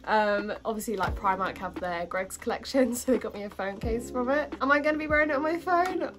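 A young British woman chatting casually to her viewers in a bubbly, informal way, with a slightly husky voice from a cold. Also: fairly high pitch, a little fast, music in the background. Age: young adult. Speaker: vlogger. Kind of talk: casual chatty haul vlog.

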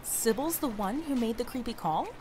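A woman's voice: on the high side, animated, normal speed, a little mellow, soft background music, lightly acted. A woman playing a wary, suspicious, blunt friend in an audio drama, talking casually and sardonically.

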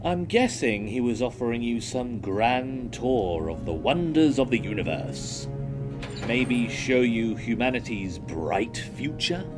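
A man's voice: medium pitch, expressive, slow. A man playing a sly, mocking renegade Time Lord villain in an audio drama, theatrical and insinuating. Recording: music under the voice.

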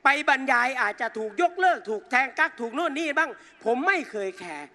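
Male protest orator with a very high voice, combative and scornful, working a big outdoor crowd from the stage. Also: animated, a little fast, bright, forceful tone. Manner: combative, mocking, addresses the crowd as brothers and sisters. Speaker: protest rally speaker. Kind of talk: fiery political rally speech. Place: outdoor rally stage in a park.

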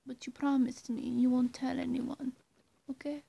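Young woman, vampire roleplay, slightly high voice, creaky, halting, coaxing and menacing, whispery dips. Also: flat delivery, mellow. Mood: coaxing, secretive. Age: young adult. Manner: slow, halting, often dropping to a whisper. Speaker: roleplay performer. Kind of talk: in-character vampire roleplay to the listener. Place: small room indoors.

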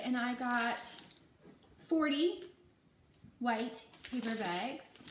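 A woman in her thirties, a nail technician, chatting casually and rambling with many ums in a living room, recorded on a camera mic. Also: a little high. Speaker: nail technician and salon owner. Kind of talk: casual shopping-haul vlog. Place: living room at home, indoors. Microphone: camera mic at table distance. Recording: echoey room with clear background noise.

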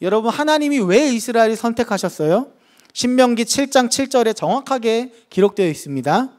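A male pastor delivers a sermon with a high, bright-sounding voice that swings widely up and down. He tells the story with energy and slips into playful acted-out voices for the people in it. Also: fairly quick. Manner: lively storytelling, acts out quoted voices.

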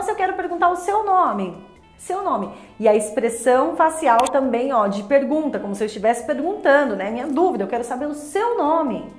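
A Brazilian woman teaching sign language in a lively, demonstrative way, repeating each phrase as she shows it. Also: high-pitched, reverberant. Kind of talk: friendly instructional explanation.

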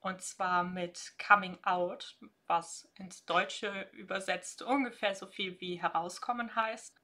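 A twenty-six-year-old woman from North Rhine-Westphalia in Germany, co-hosting a casual podcast in a clearly structured way. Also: medium pitch, fairly even intonation, slow, pushed and bright. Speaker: podcast co-host.

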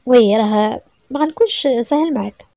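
A playful young male tutor who teases his student, as a woman narrator puts him on. He talks fast with a gravelly, mellow edge and a Moroccan accent. Told as a spoken story. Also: on the high side, dry recording, studio quality. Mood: teasing. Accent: Moroccan Arabic.

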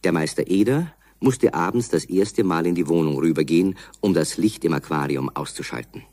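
A man's voice: low voice, normal speed, mellow, no room sound. A man narrating a children's story as a scripted storyteller.

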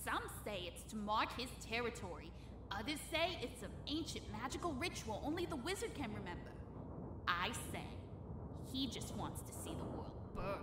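A woman's voice: on the high side, very animated, normal speed, over music. A woman playing a bossy, streetwise host of a comedic radio survival guide, sassy, theatrical and tough-talking. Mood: wry. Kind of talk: comedic audio drama acting.

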